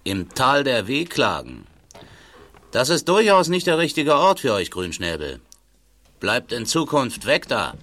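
A man acting a gruff, scolding ranch foreman in a German radio play. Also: mid-range voice, huge pitch swings, a little slow, pushed and bright, dry recording, full character voice. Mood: stern, scolding. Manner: stern, scolding.

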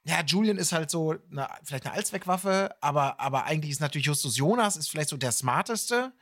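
Male co-host, lightly high pitch, thoughtful and tentative, winding casual phrasing. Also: animated, brisk, fairly bright tone. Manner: tentative, musing, winding sentences. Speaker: podcast co-host. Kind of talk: casual interview chat.

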